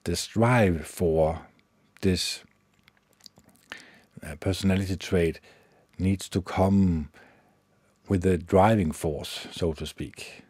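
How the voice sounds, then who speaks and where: A Danish-accented man hosting a solo meditation podcast, talking haltingly with many fillers and restarts. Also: low-pitched, a little mellow, slightly rough, dry recording. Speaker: podcast host.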